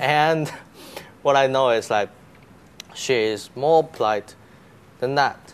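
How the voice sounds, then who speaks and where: A man with a Chinese accent speaks at a very slow pace in a fairly high pitch, with long, frequent pauses. His loudness stays very even, and his pitch varies in an ordinary way. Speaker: university student and entrepreneur. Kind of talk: interview. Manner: halting.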